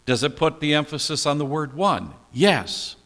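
An older male pastor with a gravelly edge to his voice teaches from scripture, asking himself questions and answering them in a relaxed, conversational manner. His voice carries a long reverb, as if recorded in a large hall. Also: fairly high pitch, normal speed. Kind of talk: expository Bible teaching.

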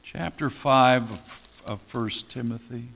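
An older male pastor with a gravelly edge to his voice teaches from scripture, asking himself questions and answering them in a relaxed, conversational manner. His voice carries a long reverb, as if recorded in a large hall. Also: medium pitch, takes it slowly. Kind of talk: expository Bible teaching.

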